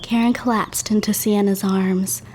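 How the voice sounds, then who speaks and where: A woman's voice: medium pitch, fairly even intonation, unhurried, loud music behind the voice, close to an everyday voice. Wistful young woman narrating in character. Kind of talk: scripted audio drama narration.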